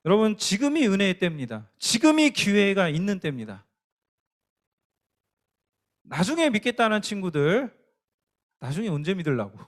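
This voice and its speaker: A man's voice: high-pitched, very animated, moderate pace, pauses often. A man preaching a youth sermon, earnest and emphatic, often asking the listeners questions. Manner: earnest, emphatic, speaking directly to teens with questions. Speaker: youth pastor.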